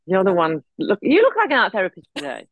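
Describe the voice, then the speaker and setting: A woman's voice: mid-range voice, wildly swooping pitch, fast talker, vocal fry, no echo. A middle-aged woman from North Yorkshire with a general English accent, chatting as a guest art therapist in a self-deprecating way. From North Yorkshire, England. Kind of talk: casual chat. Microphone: video call.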